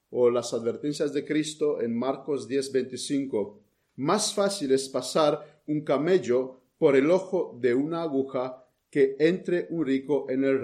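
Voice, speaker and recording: A man's voice: mid-range voice, darkish tone. Earnest male preacher delivering a sermon. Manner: earnest, reads scripture aloud with pauses and restarts.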